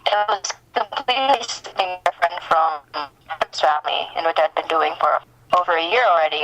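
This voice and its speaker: A woman guest in a casual fan chat, talking in a gushing, excitable and informal way. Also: on the low side, poor audio. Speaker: podcast guest, fan fiction writer.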